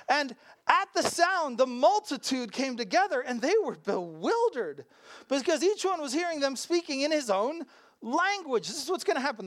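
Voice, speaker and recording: Preacher, mid pitch, conversational and animated delivery with rhetorical questions and wry asides, dry recording. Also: dry recording. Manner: animated, rhetorical questions, frequent "right?" check-ins. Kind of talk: sermon with casual asides and scripture reading.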